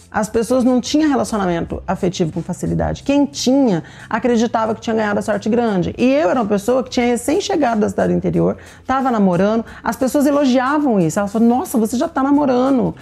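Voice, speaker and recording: Middle-aged woman, Brazilian accent, dark gravelly tone, frank first-person testimony. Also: fairly high pitch, lively intonation, fast. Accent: Brazilian Portuguese. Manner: candid, speaks straight to the audience; acts out remembered dialogue as she tells it. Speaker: storyteller sharing a personal testimony. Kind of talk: personal testimony, told to viewers.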